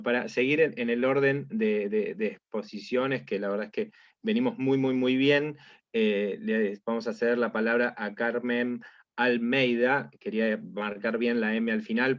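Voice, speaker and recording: A man's voice: mid-range voice, steady tone, normal speed, no echo. A man moderates an online panel in a mid-range voice, thanking and introducing speakers with many fillers and rephrasings. His sound is dry and muffled, like video-call audio. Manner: wordy, filler-heavy, restating phrases. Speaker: event moderator. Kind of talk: formal introductions.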